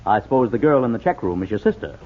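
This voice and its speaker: Wry, animated husband in old radio mystery. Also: male voice, mid-range voice, fast talker. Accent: American. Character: wry, brisk American husband turned amateur sleuth. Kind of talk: 1940s radio acting. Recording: tinny, noisy old radio recording.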